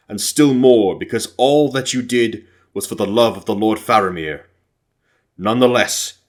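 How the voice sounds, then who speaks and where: A man voicing a solemn, merciful king in a fantasy audiobook, with stately, measured, commanding delivery. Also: lowish voice, natural voice. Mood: solemn, firm. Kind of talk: dramatic audiobook character reading.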